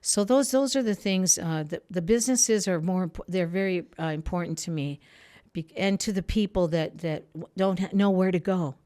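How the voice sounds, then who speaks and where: A woman's voice: on the low side, normal speed, warm tone. A woman whose first language is Spanish, answering earnestly as an interview guest in rambling, often broken-off sentences. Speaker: interview guest, political candidate.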